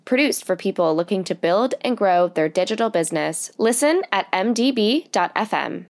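A woman reads a podcast introduction from a script. Her delivery is even and steady, and her voice sits at an ordinary middle pitch. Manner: even, read-aloud delivery. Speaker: show announcer.

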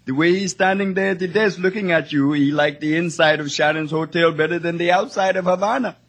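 A man playing a loyal, gentle and droll hotel helper in a 1950s radio drama. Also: fairly high pitch, fairly quick. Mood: gently concerned. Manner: refers to himself in third person, droll.

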